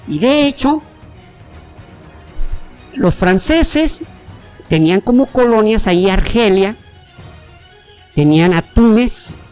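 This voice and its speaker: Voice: mid-range voice, slow, pauses often, clean tone, soft background music. A podcast co-host with a Mexican Spanish accent who tells history casually, with lots of slang, restarts and fillers. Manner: animated, rambling, slangy with many restarts and fillers.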